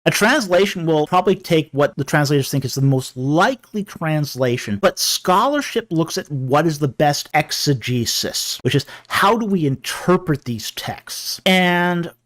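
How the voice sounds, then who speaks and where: A man's voice: a little high, lively intonation, normal speed, hardly any pauses, fairly bright tone. Man lecturing on ancient texts. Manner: explanatory, lecturing. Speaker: Christian apologist. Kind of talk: lecture-style commentary.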